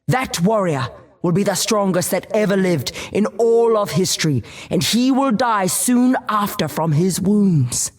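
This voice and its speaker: A woman's voice: low voice, a little mellow. A woman playing a devout keeper of tribal traditions, speaking earnestly and solemnly in a fantasy game monologue.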